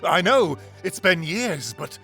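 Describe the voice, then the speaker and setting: A man playing a shrewd, genial pirate overlord in an audio drama, with a gravelly, husky voice and a deliberate, insinuating, theatrical delivery. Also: sits high, sing-song, pushed and bright, faint music behind, heavily acted. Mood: astonished, emotional. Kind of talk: swashbuckling audio roleplay acting.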